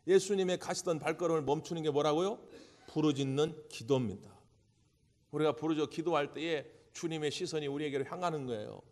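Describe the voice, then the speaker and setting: A man pastor preaching a sermon in a church sanctuary, dramatic and animated, acting out the voices he quotes. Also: on the high side, a little fast. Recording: church hall with long reverb.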